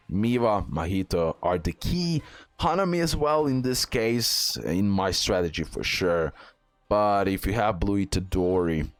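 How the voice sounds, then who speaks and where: A man giving casual, off-the-cuff gameplay commentary, repeating phrases and tacking on little check-in questions. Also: fairly low pitch. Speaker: gaming content creator.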